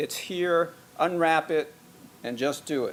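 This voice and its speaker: A man with a high-pitched voice at a fairly slow pace. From US South. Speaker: professor. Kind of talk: conference talk.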